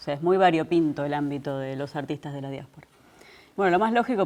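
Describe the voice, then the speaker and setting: Speaking very fast with lively intonation, a woman talks in an Argentine accent. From Argentina. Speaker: art historian. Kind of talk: lecture.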